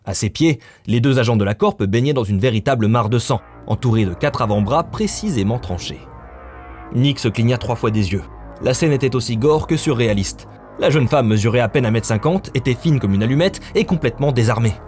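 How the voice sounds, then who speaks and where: A man's voice: mid-range voice, animated, a little fast, darkish tone, faint music behind. A man reading scripted, dramatic story narration as the narrator.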